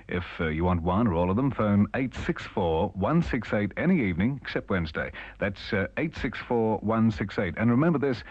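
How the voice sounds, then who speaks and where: A man's voice: fairly low pitch, animated, normal speed, hardly any pauses, a little mellow, slightly rough, no echo, highs cut off. A man doing casual, ad-libbed radio announcing on a 1970s aircheck.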